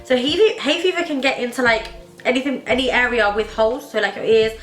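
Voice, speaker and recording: A woman's voice: fairly high pitch, animated, fast talker, echoey room, faint music behind. A young woman with a slightly wheezy voice from hay fever, chatting through a makeup tutorial in her home makeup room, enthusiastic and full of "like" fillers. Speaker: beauty vlogger. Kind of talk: casual makeup tutorial chat.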